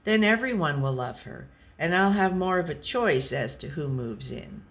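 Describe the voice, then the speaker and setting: A woman voicing a fussy, long-suffering white-furred pet who narrates a storybook in a deadpan, formal manner. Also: sits low, moderate pace. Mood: dry, tolerant.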